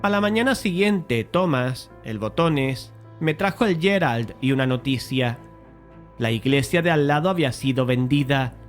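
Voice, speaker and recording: An actor playing a skeptical, paternal painter who tells his own story in measured audiobook narration and dialogue. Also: mid-range voice, animated, faint music behind, close to an everyday voice. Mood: narrating. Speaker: narrator and main character.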